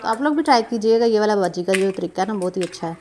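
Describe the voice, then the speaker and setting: A woman's voice: medium pitch, animated, quick pace, a little mellow, slight background noise. A young woman from Pakistan, narrating her cooking vlog in a chatty, meandering way full of fillers and self-corrections. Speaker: cooking vlogger.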